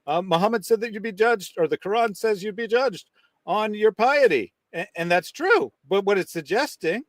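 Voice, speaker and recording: A man co-hosting a commentary chat, explaining his points in a dry, measured way. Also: high voice, expressive, no room sound. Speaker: co-host.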